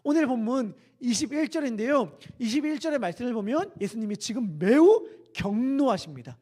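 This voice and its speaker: A man's voice: very high-pitched, big pitch swings, a little fast, dark tone. A man preaching a sermon as pastor in a church, talking conversationally and asking the congregation questions. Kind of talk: expository sermon. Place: church sanctuary.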